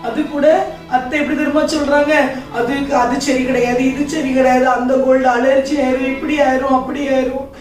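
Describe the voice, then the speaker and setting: A woman plays a young wife tormented by her in-laws, pouring out her hurt in a high, emotional voice. It was recorded in a very echoey room from some distance, with soft music behind. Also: level tone, a little fast, natural voice. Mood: tearful. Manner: emotional and pleading, bursts of anger. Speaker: actor in a church family skit. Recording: echoey room, far mic, faint music.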